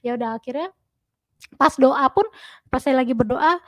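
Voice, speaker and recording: A woman in her thirties tells her personal testimony in a loose, conversational way. She is animated and fills her pauses with drawn-out "eee" sounds. Her voice sits fairly high, and the recording is dry with little room sound. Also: dry recording. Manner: animated, many fillers. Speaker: testimony guest. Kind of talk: personal testimony, casual storytelling.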